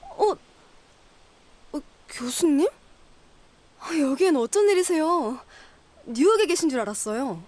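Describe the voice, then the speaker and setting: A woman voice actor playing an earnest young woman writer in an audio drama, with a soft, sincere and reflective delivery. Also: high voice, animated, measured pace, pauses often. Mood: surprised, flustered.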